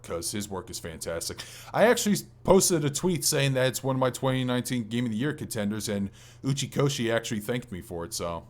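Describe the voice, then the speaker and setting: Man chatting enthusiastically about games. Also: medium pitch. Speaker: podcast co-host. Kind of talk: casual chat about video games.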